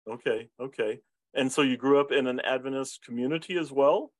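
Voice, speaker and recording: A man's voice: mid-range voice, brisk, no echo. A man hosting an interview, asking questions and giving frequent affirmations. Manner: affirming, with repeated backchannels. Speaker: podcast host and interviewer. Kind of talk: friendly interview chat.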